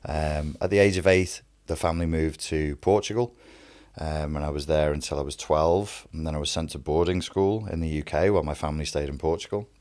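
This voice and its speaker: Man from the Wirral, Scouse accent, extremely low voice, fluent storyteller. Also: steady tone, a little fast, darkish tone, clear, resonant tone. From Wirral, England. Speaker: interview guest, life coach. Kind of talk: telling his life story in an interview.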